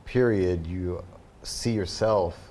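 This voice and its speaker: Male guest, very deep voice, dark tone, thoughtful halting answers, faint hiss. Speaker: artist guest. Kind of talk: interview. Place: studio.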